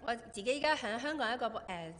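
A woman with a Cantonese accent interpreting a sermon, each phrase coming just after the preacher's. She talks fast in a slightly high voice. A long hall reverb trails behind her. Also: expressive, a bit bright.

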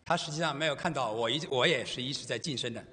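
A middle-aged man preaching a sermon in short phrases, pausing for his interpreter. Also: medium pitch, bright, forceful tone. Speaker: guest preacher. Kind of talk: sermon in Mandarin with live interpretation. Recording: long reverb of a church hall.

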